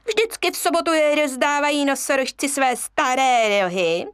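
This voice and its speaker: A woman's voice: sits high, dry recording, studio quality, voice pushed up, close to an everyday voice. A woman voicing a scheming female monkey who grins slyly and persuades. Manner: sly, persuasive.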